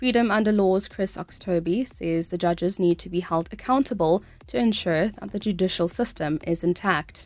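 A woman with a South African accent talks at a moderate pace in a medium pitch. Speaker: radio newsreader. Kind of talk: radio news bulletin, read from script. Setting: radio studio broadcast. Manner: crisp, steady, formal newsreader delivery; brisk, even-paced, authoritative.

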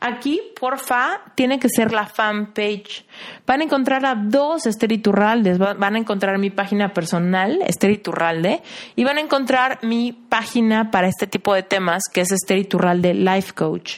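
Speaking in a Mexico City accent, a woman uses a fairly high pitch, ordinary pitch variation, a moderate pace and very even loudness. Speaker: podcast host and branding entrepreneur. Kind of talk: solo personal narrative monologue.

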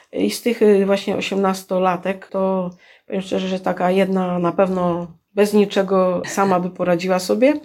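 Medium-pitched female speech at a moderate pace, with monotone, flat intonation. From Poland, Szubin (Pałuki, Kuyavia-Pomerania). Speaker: folk artist and craft teacher. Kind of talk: interview.

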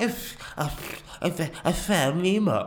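A put-on character voice at a middle pitch, over clear background noise.

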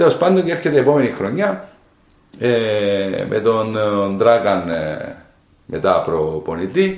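A man's voice at a very slow pace, with very wide pitch swings and audible room echo. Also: medium pitch for a man. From Cyprus, Nicosia (Kaimakli). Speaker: former basketball player and coach. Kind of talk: interview, career storytelling.

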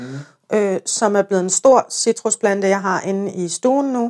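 In an ordinary speaking voice, a woman at medium pitch with ordinary pitch variation talks at a fairly slow pace, the sound dry and close with no echo on a very clean recording with a silent background. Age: 30s. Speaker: urban gardener and author. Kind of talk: casual chat. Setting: home kitchen.

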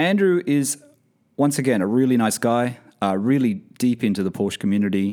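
In an Australian accent, a man speaks with a dark, mellow tone. His pace is moderate. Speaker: podcast host. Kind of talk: casual chat. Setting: video call.

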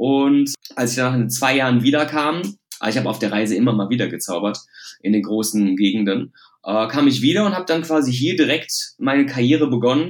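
This man has a normal speaking voice at a medium pitch. His intonation is lively and his pace fairly quick. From Rhineland, Germany (Hilden near Düsseldorf). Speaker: magician and motivational speaker. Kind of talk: podcast interview.

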